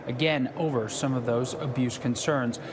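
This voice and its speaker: A man working as a news correspondent, reporting outdoors in a measured, formal manner. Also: mid-range voice, fairly even intonation. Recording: street noise behind.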